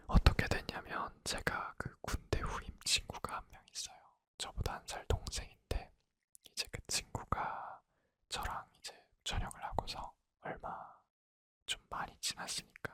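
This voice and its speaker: A man in his twenties whispering a personal story in a soft, intimate, conversational ASMR style. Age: 20s. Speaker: ASMR creator.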